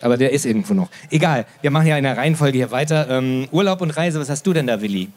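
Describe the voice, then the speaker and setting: A man from the Sauerland hosting a limerick reading event, chatting between readings and reciting limericks slowly. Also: mid-range voice, animated, a little mellow. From Sauerland, Germany. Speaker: host.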